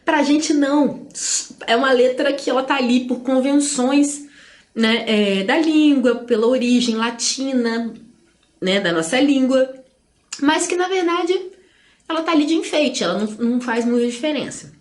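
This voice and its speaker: This Espírito Santo woman teaches exam prep in a conversational style, tossing in playful remarks and plenty of tag questions, her Brazilian Portuguese marked by her home state's accent. She speaks at a normal speed in a high-sitting voice, captured with a roomy sound.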